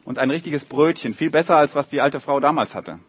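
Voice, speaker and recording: A man reading a story aloud to a group of children and drawing pictures along with it, in a lively, animated way. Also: on the high side, fairly quick, breathy edge, dry recording, lo-fi sound.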